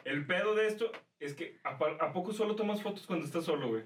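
A young Mexican man talks quickly and pokes at his friends with teasing questions. His voice sits fairly high, caught from a distance in an echoey room with faint noise. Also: lively intonation. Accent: Mexican Spanish. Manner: probing, ribbing questions. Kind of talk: casual chat among friends. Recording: roomy, far from the mic, faint noise.

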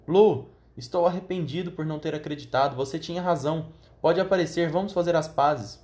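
A man's voice: medium pitch, fast, darkish tone, natural voice. A man voicing a spiteful, sulky young boy who calls out in a raised voice in a storybook reading. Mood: calling out.

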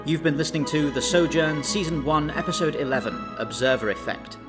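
A man's voice: fairly high pitch, fairly quick. A man reading scripted end credits as an announcer. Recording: voice over string music.

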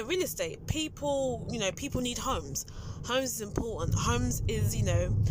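A woman's voice: mid-range voice, noisy background. Woman, chatting in a taxi. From London, England. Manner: rambling, with frequent ums and you-knows. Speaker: guest. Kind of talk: casual interview chat. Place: inside a taxi.

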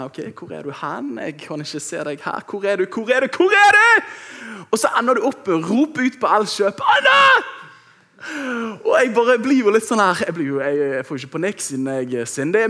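A man in his thirties preaching a sermon, telling a personal story with lively, acted-out moments. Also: fairly high pitch. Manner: lively storytelling, acts out shouting.

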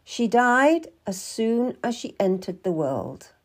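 A woman's voice: on the high side, big pitch swings, slow pace, exaggerated voice. A woman voicing a stern, secretive older midwife in a storybook, commanding and solemn in manner.

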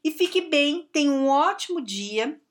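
Woman podcast host, Brazilian Portuguese accent, somewhat high voice, direct chatty advice. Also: animated, a little slow. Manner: direct and conversational, checking in with the listener often. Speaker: podcast host and career adviser.

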